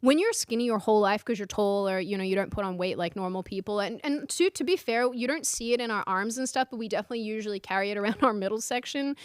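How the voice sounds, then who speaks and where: A woman's voice: medium pitch, fast talker, few pauses, smooth, dry recording, clean studio sound. A young woman co-hosting a casual talk show, candid and chatty. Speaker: co-host. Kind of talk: casual chat.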